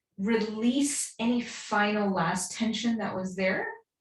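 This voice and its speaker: Calm and somewhat breathy, a woman speaks in a flat, monotone way at a medium pitch, with audible room echo. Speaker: yoga teacher. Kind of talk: guided yoga class. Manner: calm, settled; slow.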